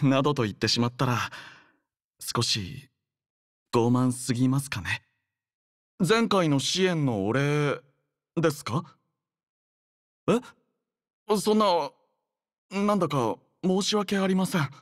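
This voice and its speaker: An earnest young male soldier from a video game. He speaks in a mid-range voice with gentle, measured courtesy and sincere devotion. The sound is dry, with no room around it. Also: mid-range voice, expressive, no echo. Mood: reflective, subdued, then polite, flustered. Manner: polite, soft-spoken, measured, sincere. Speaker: voice actor. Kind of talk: acted game character voice lines.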